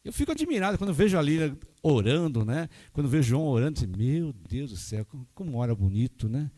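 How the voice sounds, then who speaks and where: A man's voice: mid-range voice, very animated, fast talker, warm tone. A man, preaching a sermon in a folksy way that keeps checking in with the congregation. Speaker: pastor.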